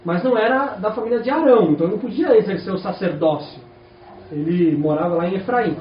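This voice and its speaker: In a church hall, a fast-talking Brazilian man with a high voice preaches to his congregation, animatedly posing rhetorical questions throughout. His Brazilian Portuguese accent is heard through a dull, distant, echoey recording with slight background noise.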